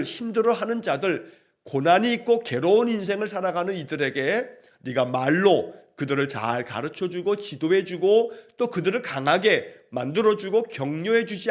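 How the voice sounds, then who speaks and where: A male pastor preaching an early-morning sermon, retelling scripture as direct, scolding speech. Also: on the high side.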